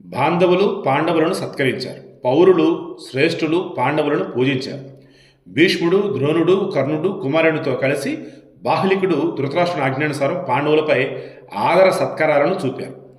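A man retelling an ancient epic episode by episode, reading steadily and breaking into plain everyday asides and quick self-corrections. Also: a little high. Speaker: devotional storyteller. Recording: roomy echo.

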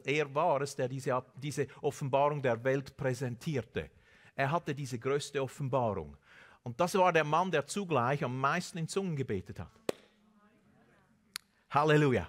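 A man in his forties preaching a sermon on a large church stage through a headset mic, animated and peppered with Amen and Hallelujah. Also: mid-range voice. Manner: animated preaching with Amen and Hallelujah interjections, mixing in English words. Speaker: pastor.

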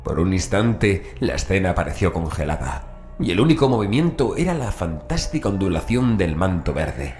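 Male horror audiobook narrator, low register, measured and dramatic, echoey sound with faint noise. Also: sing-song, a little mellow, soft background music. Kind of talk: scripted horror story narration. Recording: roomy echo, faint background noise.

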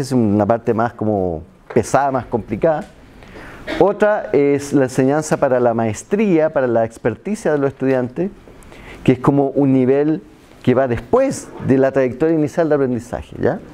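A man's voice: medium pitch, expressive, moderate pace, warm tone. A middle-aged man gives a conversational university lecture to a seated class, checking in often with the students and adding self-mocking asides. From Chile. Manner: conversational, asks "¿ya?" after nearly every point, self-deprecating asides. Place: seminar room with projector and seated students. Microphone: handheld microphone, filmed by far camera.

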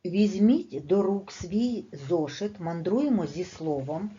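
A woman teaching a lesson to young children, speaking slowly and stressing each word with a lively, sing-song lilt. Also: on the low side. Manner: slow and deliberate, stressing words emphatically. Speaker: primary school teacher. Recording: dull, lo-fi recording.

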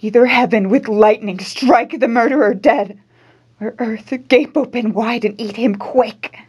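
A woman's voice: a little high, a little slow, darkish tone, husky. A woman playing a bitter Shakespearean noblewoman in a declamatory classical stage monologue. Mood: bitter, vengeful. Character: solemn Shakespearean noblewoman cursing a killer.

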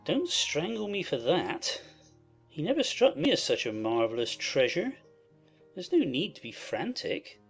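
Peevish, fastidious young gentleman of a period novel, played by a woman, low-pitched with very animated swings. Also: gravelly, breathy edge, faint music behind, full character voice. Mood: cross.

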